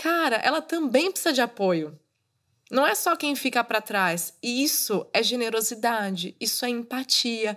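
A woman with an animated tone and very wide pitch swings, at a fairly slow pace against a quiet background. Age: 30s. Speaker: podcast host. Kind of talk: motivational monologue. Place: home room. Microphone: studio mic.

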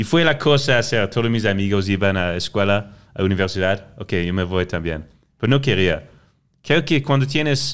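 Lively intonation at a moderate pace. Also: man. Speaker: content creator. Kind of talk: casual interview chat. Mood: relaxed, friendly, smiling. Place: studio. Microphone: studio mic.

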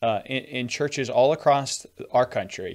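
Over a quiet background, a man speaks at a very slow pace. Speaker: podcast host, pastor. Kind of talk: commentary. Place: home room. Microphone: studio mic.

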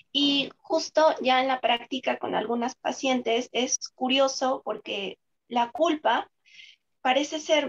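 Against a quiet background, a woman speaks at a high pitch with fairly even intonation. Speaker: psychologist in training. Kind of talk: class discussion. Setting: video call. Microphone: laggy video connection; video call.

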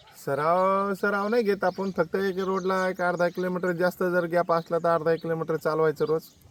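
A man speaks with a high pitch and monotone, flat intonation. His loudness is very even. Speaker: bullock cart race owner. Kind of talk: interview.

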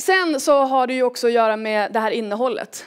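Over a quiet background, a woman speaks at a high pitch and a fairly quick pace with ordinary pitch variation. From Sweden, Örnsköldsvik (Norrland); Sweden. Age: 30s. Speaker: industry organisation founder; conference speaker. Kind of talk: conference talk. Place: stage.

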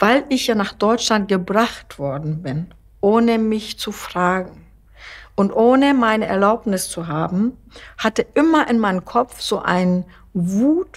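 A woman with a Turkish accent, fairly high pitch and lively intonation, at a very slow pace against a quiet background. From Turkey, Istanbul. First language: Turkish (speaking German). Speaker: former cosmetician; interviewee. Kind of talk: personal testimony. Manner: hesitant, many filler sounds. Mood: reflective, sometimes resentful. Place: home room.

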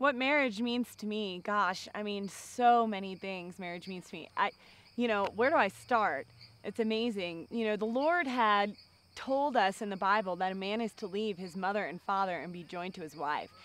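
A woman speaks at a moderate pace with ordinary pitch variation and big swings in loudness. The sound is dry, with no echo. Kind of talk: interview answer. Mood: happy, laughing, excited. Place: open country.

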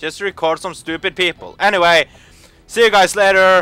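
Raised and projected, a man's high-pitched voice has a bright, sharp tone and a moderate pace, with a dry, close sound and no echo. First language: not English. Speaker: gaming YouTuber. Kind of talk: gameplay commentary. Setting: gaming headset mic. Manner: animated.

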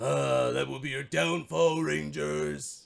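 A man speaks very slowly in a put-on character voice that is raspy and very deep, pitched very low. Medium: actual play. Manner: menacing, haughty.

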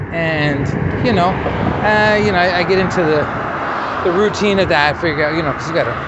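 Loud noise fills the background. The man's voice comes through dry, without any echo. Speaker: YouTuber. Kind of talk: casual monologue. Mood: reflective, relaxed. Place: street.

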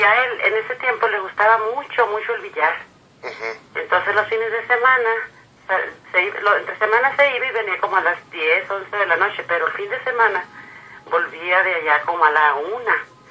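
Her pitch is fairly high, and she is a woman with ordinary pitch variation. Noticeable background noise can be heard. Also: moderate pace. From northern Mexico, Coahuila. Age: 60s. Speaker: caller. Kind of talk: storytelling.

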